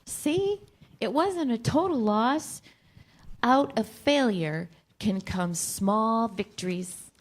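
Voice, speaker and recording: A caring, upbeat leading lady acted by a woman in a staged comedy reading. The voice is fairly high and takes its time. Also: expressive, slow. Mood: reassuring. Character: gentle, upbeat, caring young female love interest.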